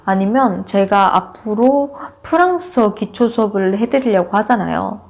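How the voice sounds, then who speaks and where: Telling a story from her own life, a young female vlogger speaks at a moderate pace in a mid-range, creaky voice. Her delivery is casual and lively, full of laughter and reenacted lines from other people.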